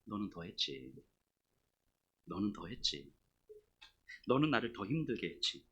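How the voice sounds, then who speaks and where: A deep, hushed divine voice, low and tender, gently chiding with love, as a preacher puts it on. It speaks softly and unhurried, well below the preacher's own bright tone. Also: male voice, very animated, breathy edge, dull audio, exaggerated voice. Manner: soft, tender, gently reproachful. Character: gentle loving God, deep and quiet, male.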